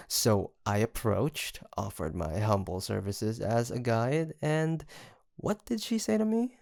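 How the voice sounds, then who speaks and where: A sweet young male roommate, acted by a man in an intimate audio roleplay. His voice has a creaky edge and swings with lively pitch as he teases his best friend. The sound is dry and close. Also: no echo. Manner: teasing, chuckling, mock-grandiose storyteller.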